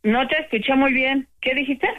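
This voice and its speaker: An older woman with a Mexican accent, a grandmother chatting casually on a phone call, affectionate and quick to laugh. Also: high voice.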